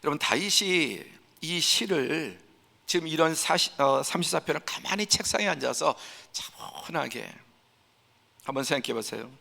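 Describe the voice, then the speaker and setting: A male pastor preaching a Sunday sermon, emphatic and building to forceful peaks, sometimes dropping to a hushed voice to act out scenes. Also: fairly high pitch, expressive, normal speed, creaky. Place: church sanctuary. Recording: reverberant church hall.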